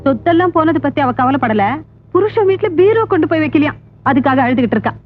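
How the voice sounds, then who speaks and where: A worried village mother who scolds her children in a high, quick voice. Heard through a thin, phone-like old soundtrack with faint music behind. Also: expressive. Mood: scolding. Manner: scolding and fussing. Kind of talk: 1980s film acting.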